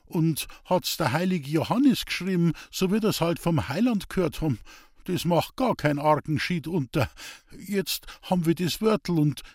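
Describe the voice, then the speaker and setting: A man voicing a simple, earnest peasant woodcutter in Bavarian dialect, in an audiobook, husky and pleading. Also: on the high side, expressive, normal speed, darkish tone, no room sound, studio quality, voice pushed up. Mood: eager, simple. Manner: eager, pleading, naive. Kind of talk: audiobook character voice.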